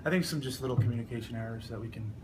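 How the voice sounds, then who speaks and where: A young man, an athlete answering press scrum questions in a measured, earnest way. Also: mid-range voice. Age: young adult. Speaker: football offensive lineman being interviewed. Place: media scrum with ambient noise. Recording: clearly noisy ambient background.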